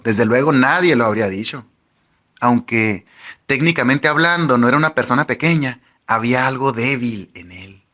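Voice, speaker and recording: Bright-voiced man narrating an audiobook. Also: mid-range voice. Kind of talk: first-person audiobook narration.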